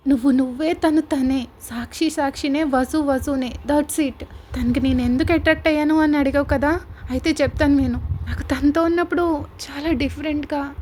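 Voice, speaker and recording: A woman reading the part of a firm, calm young male lawyer in an audio story, with an earnest, measured delivery. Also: sits high, slight background noise, close to an everyday voice.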